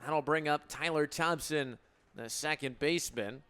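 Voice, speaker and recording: An American man in his twenties calling live baseball play-by-play for radio in a crisp, descriptive announcer delivery. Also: a little high, unhurried, a bit bright. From Illinois, United States. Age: 20s.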